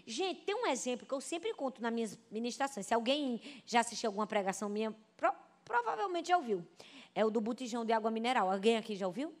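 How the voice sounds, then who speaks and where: A Brazilian woman pastor preaching a sermon, telling stories with lively, animated delivery and often turning to the congregation. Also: on the high side, fast talker. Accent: Brazilian Portuguese. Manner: animated storytelling, addresses the congregation as "gente". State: pregnant.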